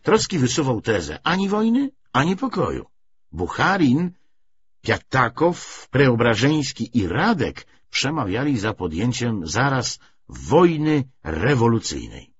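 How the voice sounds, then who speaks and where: A man reading a historical novel aloud as an audiobook narrator, in an expressive, scripted literary style. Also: medium pitch, unhurried, husky, no room sound. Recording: dull, lo-fi audiobook recording.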